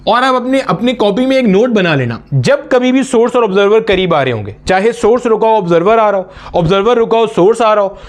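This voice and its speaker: A man teaching a physics lecture at a board for exam preparation. He explains step by step, asks his students questions, answers them himself, and calls them "beta" in a familiar way. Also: high voice.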